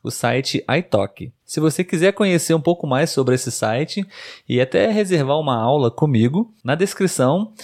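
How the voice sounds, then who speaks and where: A man's voice: on the high side, animated, normal speed, a little mellow. A man in his thirties with a Brazilian accent, chatting casually as a podcast host and tutor for language learners. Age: 30s.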